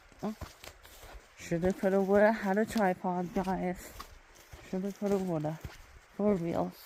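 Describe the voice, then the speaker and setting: Noticeable background noise fills the recording. Over it, a woman speaks fairly slowly. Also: long, frequent pauses. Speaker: vlogger. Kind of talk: casual vlog narration while hiking. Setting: outdoors on a hiking trail.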